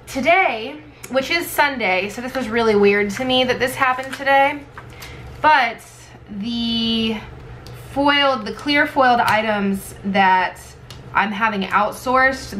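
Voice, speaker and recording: A woman with a slightly high voice that sounds sick and hoarse, as if she is losing it. She talks casually in a rambling craft-vlog style, thinking out loud as she goes. There is noticeable noise behind her. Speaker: planner vlogger and sticker shop owner. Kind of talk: casual chatty plan-with-me vlog. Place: indoors at a desk. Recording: clear background noise.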